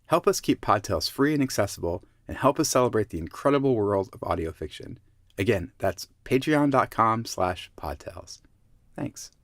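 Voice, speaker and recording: A man's voice: fairly low pitch, lively intonation, normal speed, no room sound, studio quality. A man reading a scripted promotional announcement as a member of a podcast team.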